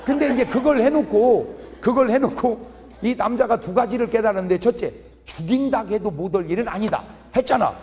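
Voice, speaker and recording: A male pastor giving a humorous revival sermon in a large church hall, animated and chuckling through his lines. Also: high-pitched, brisk.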